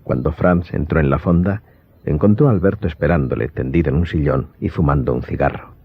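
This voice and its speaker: A man's voice: extremely low pitch, a little fast, slightly rough. A man narrating a radio drama from a script in a dramatic storytelling style. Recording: dull recording with background music.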